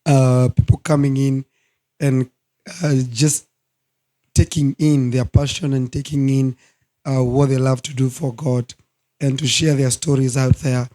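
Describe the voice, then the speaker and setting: A hoarse man in his thirties, a guest minister speaking earnestly in a studio talk show interview. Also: mid-range voice, little pitch movement, mellow. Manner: slow, earnest, preacherly.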